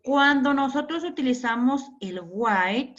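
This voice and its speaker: A woman's voice: high voice, animated, a little slow, fairly bright tone. A woman English teacher giving a classroom lesson, patient, repeating words and quizzing her pupils. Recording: dull lo-fi recording.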